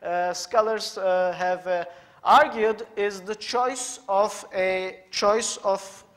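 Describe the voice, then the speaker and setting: A man with as his gives a measured, halting conference lecture in a hall, with frequent fillers. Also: sits high, fairly even intonation, a bit bright. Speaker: academic lecturer.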